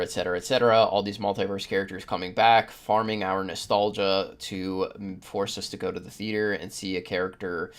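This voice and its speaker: Casual, emphatic male podcast host. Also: low voice. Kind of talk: casual opinionated panel chat.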